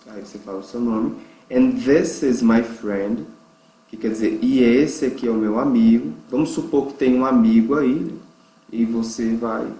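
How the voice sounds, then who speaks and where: A man from Brazil teaching an English lesson, explaining phrases and slowly drawing out example words for learners to repeat. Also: medium pitch, a little mellow. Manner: slow, drawn-out pronunciation drills. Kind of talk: online language lesson. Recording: echoey room.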